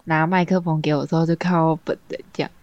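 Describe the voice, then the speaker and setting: A young adult woman with a Taiwanese Mandarin accent, co-hosting a casual chat in a relaxed, teasing way. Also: low-pitched, quick pace, no echo, lo-fi sound. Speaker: podcast co-host.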